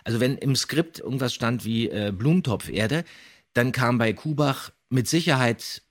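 A man's voice: mid-range voice, animated, moderate pace. A man who hosts a podcast and voice acts, commenting casually and animatedly on audio dramas, with theatrically quoted lines. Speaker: podcast host and voice actor.

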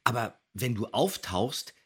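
A man's voice: mid-range voice, animated, measured pace, husky. A man co-hosting a podcast, explaining things casually in a matter-of-fact, opinionated way. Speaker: podcast co-host who recaps and critiques.

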